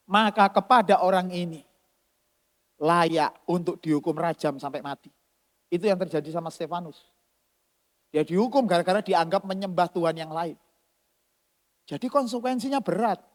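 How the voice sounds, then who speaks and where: Animated pastor preaching. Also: male voice, sits high. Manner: animated preaching, swinging between loud emphasis and soft asides. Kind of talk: sermon. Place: church hall. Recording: long church-hall reverb.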